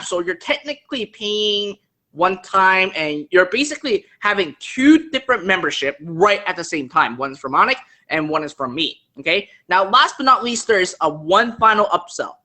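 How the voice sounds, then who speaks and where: Host, male, second-language English, bright forceful tone, earnest sales pitch with steady check-ins. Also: moderate pace. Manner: earnest, persuasive, keeps checking in with "okay?". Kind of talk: live online business Q&A pitch.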